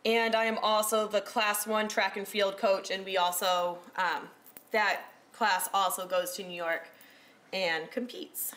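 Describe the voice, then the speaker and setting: A woman in her thirties giving a casual talk as a recreational therapist, loud-voiced and chatty with lots of fillers. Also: medium pitch, steady tone, unhurried. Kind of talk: casual talk to a small audience. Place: room with a presentation screen.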